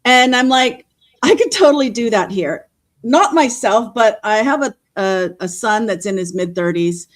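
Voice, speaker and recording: A woman's voice: fairly high pitch, lively intonation, moderate pace. Middle-aged woman, from California, casual livestream chat, chatty, laughing, filler-heavy. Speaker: guest panelist.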